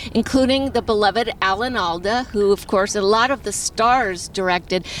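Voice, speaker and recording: This woman has an ordinary speaking voice, pitched fairly high, with an American accent. She keeps a moderate pace and fairly even intonation. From Los Angeles. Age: 60s. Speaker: electric vehicle activist. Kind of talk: interview.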